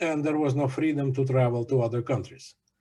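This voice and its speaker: The man's tone is dark and mellow, and somewhat breathy. His pitch varies in an ordinary way. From Soviet Union. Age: 60s. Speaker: speaker at a faith talk. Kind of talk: talk. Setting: video call. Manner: halting.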